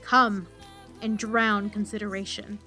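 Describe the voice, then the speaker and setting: A woman's voice: mid-range voice, flat delivery, slow pace, pushed and bright, soft background music. A woman acting a weary, honour-bound military leader in a Shakespearean audio drama, with stately, declamatory delivery. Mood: hearty, reassuring.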